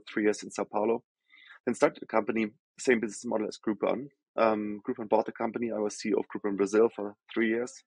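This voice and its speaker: German-accented man, low gravelly voice. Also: no echo, rough recording. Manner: measured, explanatory, frequent "um" and self-corrections. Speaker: company founder and guest. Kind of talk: conversational podcast interview.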